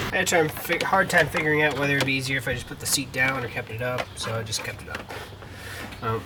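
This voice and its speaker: A man giving a casual, hands-on how-to in an informal, folksy way, talking as he works. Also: mid-range voice. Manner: informal, folksy, talks while working. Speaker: DIY car tutorial presenter. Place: garage, working around a vehicle. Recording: clearly noisy garage camera recording.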